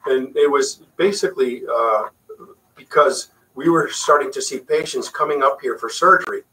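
Bright-voiced man, Spanish his first language. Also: medium pitch, moderate pace, far from the mic, rough recording. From Puerto Rico. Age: middle-aged. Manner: relaxed, chatty, frequent fillers. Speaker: facial plastic surgeon guest. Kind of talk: casual interview chat.

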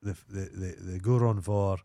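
A man's voice: low voice, fairly even intonation, a little slow, dark tone. A Scottish man co-hosting a podcast, chatting in a blunt, sweary, mocking way. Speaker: podcast co-host. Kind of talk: casual comedic chat.

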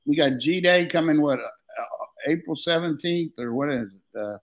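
A man's voice: on the high side, normal speed. An older man, a former coach, chatting casually about football in a rambling, folksy, joking way. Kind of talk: casual sports talk.

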